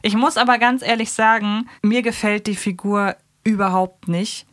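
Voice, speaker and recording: A woman's voice: medium pitch, little pitch movement, moderate pace, a bit bright, no room sound, clean studio sound. A woman co-hosting a casual podcast about an audio drama, frank and opinionated. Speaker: podcast co-host. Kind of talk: casual critical discussion of an audio drama series.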